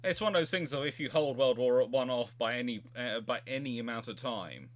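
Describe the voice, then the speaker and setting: A man hosting a casual history chat, talking in a halting way and often correcting himself mid-sentence. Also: mid-range voice, animated. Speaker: host, naval historian.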